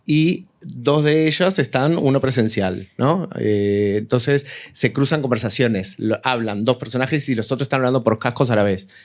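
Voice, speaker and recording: A man's voice: medium pitch, normal speed, few pauses. A man speaking as an audio fiction writer and director in a casual panel discussion, explaining with examples and quoted dialogue. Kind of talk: casual panel talk about craft.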